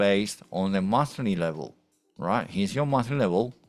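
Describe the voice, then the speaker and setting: A man speaks in a fairly low voice with lively intonation while music plays in the background. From Greece. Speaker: crypto trading educator. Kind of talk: live-stream trading tutorial. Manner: casual, repetitive.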